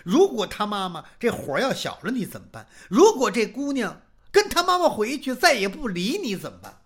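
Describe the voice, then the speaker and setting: A traditional storyteller performs with an animated, swooping delivery, throwing rhetorical questions at the listeners. The voice is bright and gravelly, with lively pitch swings. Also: normal speed.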